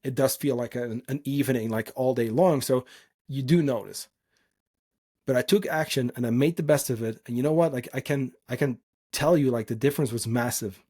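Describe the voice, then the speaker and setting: Fairly quick and breathy-edged, with a dark tone at medium pitch, a man from the Netherlands whose first language is Dutch talks unscripted like a podcasting coach. He's informal, earnest, and motivational, delivering solo and stressing his points.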